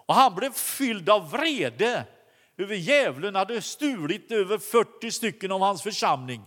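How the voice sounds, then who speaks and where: Preacher guy, high voice, stumbles and restarts a lot telling his story, big reverb. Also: sing-song, a bit bright. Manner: storytelling, halting with many restarts. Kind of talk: sermon. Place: church hall. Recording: long hall reverb.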